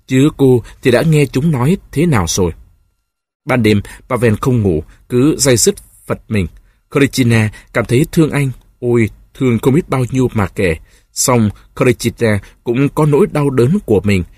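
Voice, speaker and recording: A man narrating an audiobook in a steady, emotive reading. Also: medium pitch, slightly rough, no room sound, studio quality.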